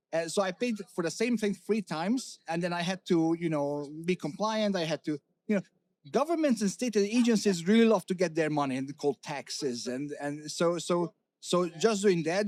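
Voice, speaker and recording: A man's voice: high voice, a little mellow, no echo. A middle-aged man from Hungary, a company CEO talking candidly in an interview, with many fillers and restarts. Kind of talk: casual interview talk.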